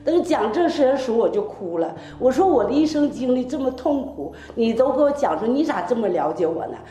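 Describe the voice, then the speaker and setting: A woman's voice: fairly high pitch, very animated, brisk, warm tone. An older woman gives a heartfelt, rambling personal testimony full of quoted dialogue. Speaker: church member giving testimony. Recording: echoey room, faint music behind.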